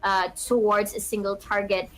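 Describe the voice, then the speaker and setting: A woman's voice: medium pitch, flat delivery, normal speed, fairly bright tone, rough recording. A woman giving analytical color commentary on an esports match, explaining the strategy.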